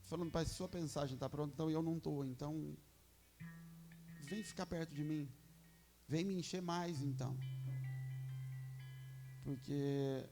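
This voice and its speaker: A man with a Brazilian Portuguese accent preaches in a church, earnest and fervent. His voice sits a little high with a gravelly edge. Soft music plays faintly underneath. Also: measured pace, pauses often. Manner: earnest, fervent, repeats "Pai" in prayer. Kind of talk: sermon with prayer.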